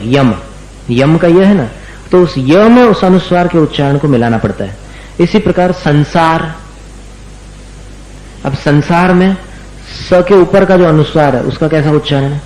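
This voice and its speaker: In this low-quality recording from an echoey room, with a little hiss or hum, a man with a slightly high, somewhat mellow voice teaches recitation. Acting as a religious teacher, he draws words out patiently and repeats them slowly for learners to imitate.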